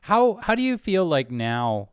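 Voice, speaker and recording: A man hosts a casual interview in a mid-pitched voice that moves up and down freely. He is informal and agreeable, and the recording is dry with little room sound. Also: sing-song, unhurried, clear, resonant tone, no room sound. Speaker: interviewer, host of a live-streamed show.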